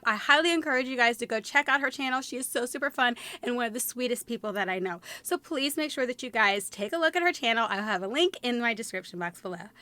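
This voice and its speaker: A woman in her thirties narrating a home decorating vlog, upbeat and gushing, her voice going hoarse. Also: sits high, pushed and bright, no echo. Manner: enthusiastic, gushing, says "guys" often. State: losing her voice. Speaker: DIY home decor vlogger. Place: indoor room with curtains and fairy lights.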